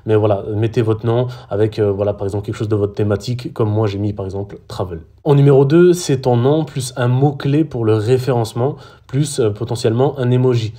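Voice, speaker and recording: A Frenchman gives a casual screen-recorded social media tutorial, full of fillers and restarts that make him sound hesitant. His mid-range voice is mellow and brisk, with few pauses.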